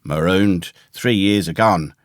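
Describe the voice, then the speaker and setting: A man voicing a ragged, pious, half-crazed castaway sailor with a hoarse, awkward voice and rambling rustic seaman's talk, in a storybook reading. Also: low-pitched, slow pace, dry recording, studio quality. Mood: forlorn.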